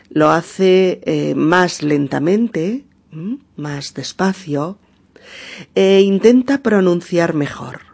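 This podcast teacher has a Spain Spanish accent and talks at an unhurried, very slow pace. Key expressions are repeated carefully for learners, with small fillers and gentle check-ins between them. The voice sits at an average pitch and sounds patient and methodical. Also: vocal fry. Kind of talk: slow, clearly spoken teaching narration.

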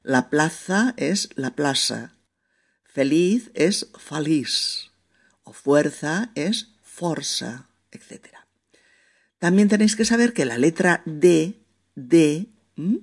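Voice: mid-range voice, animated, husky. A teacher giving a spoken language lesson, repeating each example word with care and often checking in with the listener. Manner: repeats words slowly to show pronunciation.

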